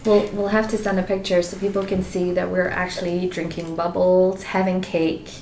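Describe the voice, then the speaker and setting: A woman co-hosting a podcast in casual chat, hoarse and losing her voice, laughing often. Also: lowish voice, level tone, moderate pace, a little mellow. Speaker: podcast co-host. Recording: roomy echo, faint noise.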